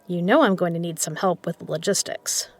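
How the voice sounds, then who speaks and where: A woman playing a shrewd poker legend who runs an underground casino, speaking in a measured, persuasive way in a scripted audio drama. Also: fairly low pitch, breathy edge. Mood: resolute, persuasive.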